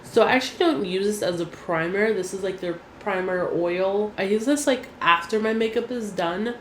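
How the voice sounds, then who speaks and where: A woman's voice: mid-range voice, normal speed. A young woman with a stuffy, nasal voice from a cold, chatting casually as a beauty vlogger and often saying "like". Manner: chatty, frequent "like" fillers. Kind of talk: casual chat. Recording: echoey room, faint room hum.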